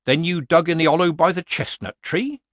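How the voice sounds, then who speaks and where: A man's voice: mid-range voice, very animated, moderate pace, no room sound, studio quality, pitched above the performer's own voice. A man voicing a shrewd, cheerful old woman witch who talks bluntly and mildly. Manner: blunt, earthy, mild.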